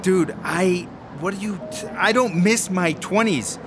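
An aggrieved, guilt-ridden male screenwriter in a radio drama. His voice sits fairly high for a man, and he talks in an excitable, needy, slangy way. Faint street noise sits behind him. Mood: defensive. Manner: excitable, slangy, halting when upset. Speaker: actor in a serialized radio drama. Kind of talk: naturalistic radio drama acting.

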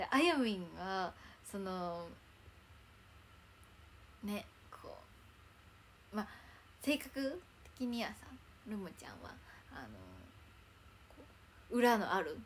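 A woman's voice: mid-range voice, expressive, measured pace, pauses often, a little hiss or hum. A young woman chatting casually on a livestream in a bubbly, chatty way, thanking viewers as they arrive. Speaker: idol livestreamer.

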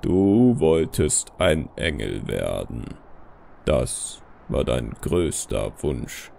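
A man voicing a stern divine father, a living statue, speaking gravely and solemnly in a horror audio story. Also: extremely low pitch, very animated, dark tone, a little hiss or hum, pitched below the performer's own voice, heavily acted. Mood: grave judgment. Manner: slow, grave, solemn pronouncements.

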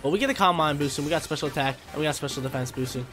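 A young man talks quickly in a slightly high voice, stuffed up and nasal from allergies. He calls his video game moves out loud in hyped, slangy bursts. Faint game music plays behind him. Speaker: gaming YouTuber. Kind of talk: live commentary over a video game battle.

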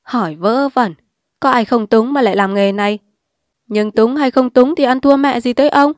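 A woman's voice: fairly high pitch, moderate pace, no echo, clean studio sound, natural voice. A woman voicing a defiant, streetwise young woman who speaks bluntly and scornfully. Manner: blunt, scornful and sharp-tongued.

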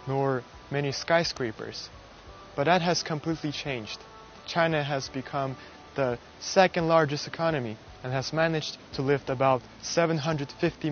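A young man from Russia delivers an earnest, measured prepared speech outdoors at night. His voice sits fairly high for a man, picked up on a lapel mic. The sound is a little dull, with faint music playing underneath. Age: young adult. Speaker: university student giving a speech. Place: outdoor garden stage at night.

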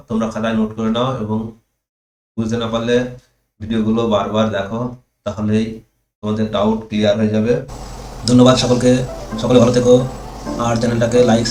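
Male teacher, online grammar lesson, slow dictation with stressed key terms, echoey room. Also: mid-range voice, little pitch movement, a little mellow, soft background music.

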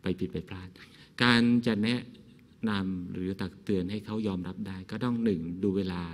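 Thai monk low-pitched, gentle dhamma talk, rhetorical questions, soft laughs; reverberant room. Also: male voice, steady tone, normal speed. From Thailand. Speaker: Buddhist monk.

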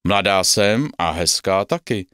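A man's voice: sits low, fairly bright tone, smooth, dry recording, clean studio sound. A man voicing a greedy, quarrelsome young village woman in a storybook tale, in a raised, bossy voice. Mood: sharp.

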